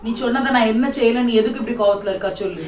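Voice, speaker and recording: A woman's voice: on the high side, rapid-fire, darkish tone, a little hiss or hum, close to an everyday voice. A woman playing a tired, teasing husband with a Tirunelveli Tamil accent, pleading again and again with his wife in an amateur family skit. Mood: exasperated. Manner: pleading, repeats his question over and over. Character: weary teasing husband, middle-aged man. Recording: echoey room, mic far off.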